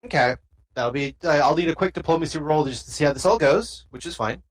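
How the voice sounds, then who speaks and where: A woman narrating as game master of a tabletop role-playing game, with animated storytelling and quick asides. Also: low voice, breathy edge, poor audio.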